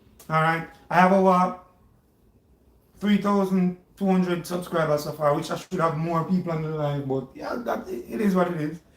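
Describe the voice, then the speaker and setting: Speaking in a Jamaican accent, a man uses a fairly high pitch. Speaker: guitar teacher and YouTuber. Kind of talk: casual livestream chat. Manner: laid-back, relaxed.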